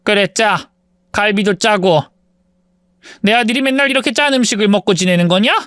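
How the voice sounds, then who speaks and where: A man's voice: sits high, moderate pace, fairly bright tone, no echo, voice pushed up. A man voicing a spiteful middle-aged mother-in-law who scolds and sneers at her daughter-in-law. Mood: scornful. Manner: sarcastic, scolding.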